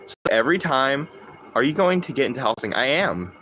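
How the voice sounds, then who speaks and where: Profane, excitable young male streamer. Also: slight background noise, low-quality recording. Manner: profane, excitable, quick swings in pitch. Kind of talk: casual live-stream chat while gaming.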